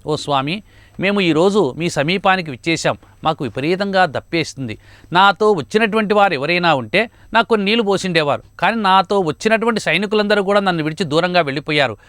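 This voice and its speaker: Guy doing a thirsty proud king, high voice, dry close sound, begs then scolds. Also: animated, fast, a bit bright, no echo. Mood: pleading. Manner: pleading then reproachful, spoken aside. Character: parched, indignant middle-aged king, proud. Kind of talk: storyteller voicing a character.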